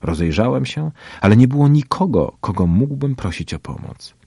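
A man narrating a first-person audiobook in a steady, measured storytelling manner. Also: on the low side, vocal fry, husky, no room sound, studio quality.

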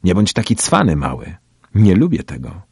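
A man's voice: deep voice, very animated, moderate pace, darkish tone, slightly rough, no echo, clean studio sound, full character voice. A man voicing a menacing teenage male gang leader in an audiobook, mocking and threatening. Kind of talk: audiobook character voice.

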